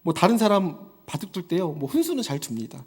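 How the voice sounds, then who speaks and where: A man's voice: sits high, very animated, fairly quick, breathy edge, long reverb tail. A man in his thirties preaching a Sunday sermon, building to fervent exhortation and acting out little quotes.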